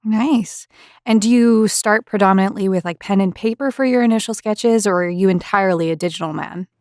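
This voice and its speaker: A woman hosting an interview show, speaking in a clear presenting style as she introduces and questions a guest. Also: mid-range voice, brisk, darkish tone, no echo, studio quality. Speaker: interviewer and host, associate producer. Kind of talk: scripted intro, then casual interview.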